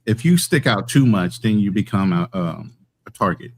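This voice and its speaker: A relaxed, fairly low-voiced American man chats on a call about life abroad. He tells stories at an easy pace and now and then acts out the other people in them. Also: moderate pace, slight background noise. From United States. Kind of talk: casual video-call chat. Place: abroad in the mountains.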